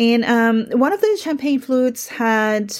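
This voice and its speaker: This woman has a Spanish accent and a fairly high pitch. Her tone is animated, with ordinary pitch variation. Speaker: travel planner and podcast host. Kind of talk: casual monologue review. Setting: home recording with microphone. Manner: animated, filler-heavy.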